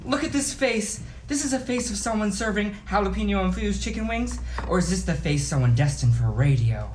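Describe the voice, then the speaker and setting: A woman's voice: mid-range voice, expressive, fairly quick, natural voice. A woman playing an anxious, vain young male Christian singer, earnest and melodramatic, at a comedic table read. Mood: dramatic despair. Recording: clearly noisy live room, clicks.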